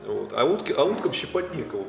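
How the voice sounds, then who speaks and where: A man's voice: medium pitch, very animated, fast talker, creaky. A man casually commenting on what he watches, in a playful, jokey way. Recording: echoey, reverberant, music over the voice.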